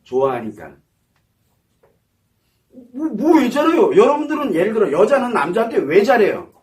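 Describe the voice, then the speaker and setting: Man lecturing, high voice, lively pitch swings, rhetorical questions, mic a bit far off. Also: moderate pace. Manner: asks the audience questions and answers them himself. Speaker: psychology lecturer. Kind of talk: lecture to an audience.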